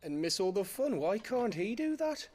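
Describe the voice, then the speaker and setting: An actor playing a cheeky, eager young scout and loyal sidekick in a video game. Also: male voice, high-pitched, very animated, normal speed, a little mellow, slight background noise. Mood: grumbling, cheeky. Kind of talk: cinematic game cutscene acting.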